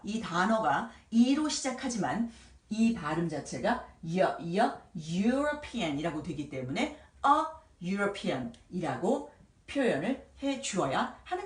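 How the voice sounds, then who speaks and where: A woman teaching English grammar in a patient way, sounding out words slowly and repeating them. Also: medium pitch, reverberant, distant mic. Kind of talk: explaining grammar at a whiteboard.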